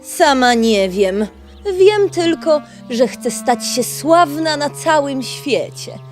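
Woman as a slow-talking, dreamy tortoise lady. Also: high voice, expressive, faint music behind. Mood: dreamy, longing. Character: dreamy female tortoise longing for fame, earnest. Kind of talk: children's audio play acting.

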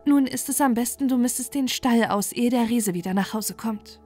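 A woman's voice: fairly high pitch, normal speed, dark tone, soft background music, close to an everyday voice. A woman voicing a kind, worried young princess in a fairy tale, urgent and earnest as she gives advice.

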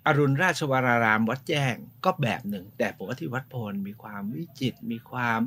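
A man's voice: medium pitch, brisk, slight background noise. Man leading a chatty temple tour. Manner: lively storyteller, polite, often adds polite particles. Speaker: host and tour guide. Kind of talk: informal guided-tour storytelling. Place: outdoors at a temple.

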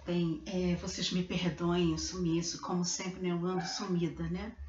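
A woman's voice: fairly low pitch, flat delivery, normal speed, darkish tone, a little hiss or hum. Chatty woman in her fifties, roomy lo-fi webcam sound. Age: 50s. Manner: chatty, repeats words and adds tag questions. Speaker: beauty vlogger. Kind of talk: casual chat to camera. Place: living room at home, indoors. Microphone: laptop webcam.

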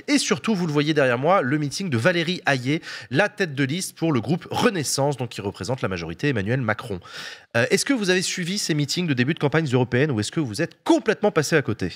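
A man hosting a political talk show in a studio, lively and pausing often on fillers. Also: fairly high pitch. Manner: lively, many filler pauses. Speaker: host. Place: TV-style studio set with audience.

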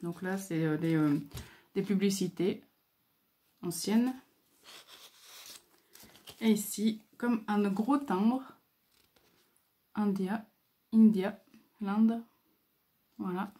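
A woman from France talks through her crafts in a casual show-and-tell, unhurried and full of fillers. Her voice is warm and mellow, never bright. She sounds soft and admiring, pausing often to find her words. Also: mid-range voice. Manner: hesitant, many fillers and pauses. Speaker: craft video host.

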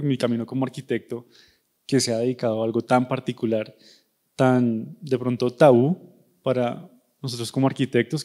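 A man's voice: mid-range voice, dark tone. A young man from Bogotá with a Bogotá Colombian accent, an architect giving a conversational university talk on stage with a handheld microphone, addressing students directly. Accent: Bogotá Colombian Spanish. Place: large dark auditorium stage.

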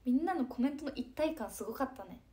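A young woman chats breezily on a live stream. Her voice sits a little high, and she drifts into hushed asides as she reads the comments. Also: lively intonation, fast. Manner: chatty, breezy, drops into soft asides. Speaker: idol livestreamer reading chat comments. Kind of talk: casual live-stream chat.

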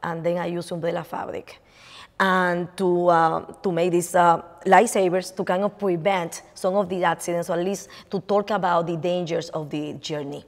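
A woman's voice: on the low side, fairly even intonation, normal speed. A middle-aged woman with a Dominican Spanish accent, a native Spanish speaker, giving a chatty artist lecture full of restarts and fillers in a lecture room. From Dominican Republic. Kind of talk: lecture on her art. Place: lecture room in front of a projected slide. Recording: lecture hall reverb.

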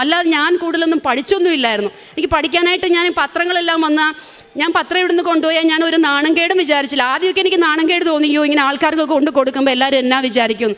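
Giving her religious testimony with earnest emotion, this Indian woman in her forties has a Malayali accent. Her voice sits high and sounds somewhat bright.

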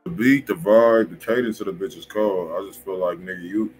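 A man's voice: low voice, brisk, rough recording. A man hosting a music review stream, talking in casual, slang-heavy, blunt and profane chat. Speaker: music review show host. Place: indoor room, livestream. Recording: faint background noise.

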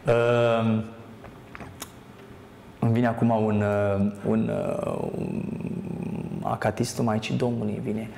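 A man's voice: on the low side, sing-song, gravelly, pauses often, a little mellow, echoey room, a little hiss or hum. A man as a guest on a TV talk show, speaking earnestly about spirituality and hesitating with many fillers. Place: TV studio.

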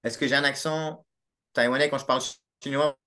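A young Belgian man with a Belgian French accent, chatting as a podcast guest. He talks in a casual, halting way, with frequent fillers and restarts. His voice comes through a laptop mic in a small room at home. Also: medium pitch, fairly even intonation, bright, forceful tone. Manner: hesitant, with many restarts and fillers. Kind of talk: casual interview over video call. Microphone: laptop webcam mic on a video call.

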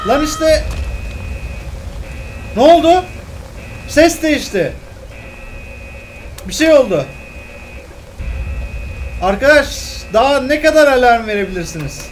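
A young man commenting on a video game as he plays, excitable and talking to himself, with frequent exclamations and mutters. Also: extremely high pitch, slow, long pauses, faint music behind, low-quality recording. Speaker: gameplay commentator. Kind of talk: casual let's-play commentary.

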